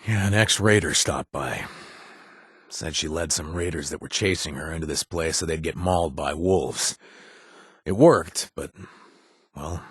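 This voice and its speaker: An actor playing a wry, chatty wasteland informant in a video game, husky, with a hesitant, rambling delivery and joking asides. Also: male voice, rumbling low, measured pace, pauses often, fairly bright tone, no echo, clean studio sound, exaggerated voice. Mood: wry, offhand. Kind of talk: video game voice acting, casual spoken tips.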